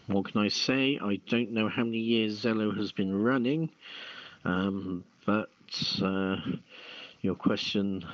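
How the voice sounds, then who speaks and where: Male online radio host, low voice, news-reading delivery, halting asides, close dry but dull sound. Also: dry recording. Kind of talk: reading news stories aloud, chatting between.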